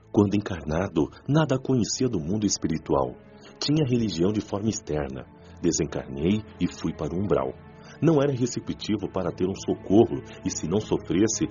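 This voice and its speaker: A deep, dark-voiced repentant spirit man in a radio drama, telling his hardships in a slow, earnest way. The audio sounds a little dull, with faint music underneath. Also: breathy edge, exaggerated voice. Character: former smoker spirit man recalling his suffering.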